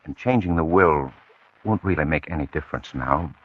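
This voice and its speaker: A man's voice: a bass voice, animated, normal speed, breathy edge, exaggerated voice. An actor playing an earnest young man in love, speaking eagerly in 1940s radio drama style. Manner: earnest, eager, warm-hearted. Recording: dull, dry old radio recording with music.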